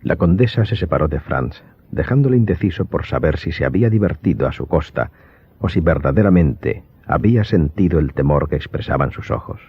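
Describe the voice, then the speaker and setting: A man's voice: a bass voice, lively intonation, a little fast, slightly rough, dry recording. A man narrating a radio drama from a script in a dramatic storytelling style. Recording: dull recording with background music.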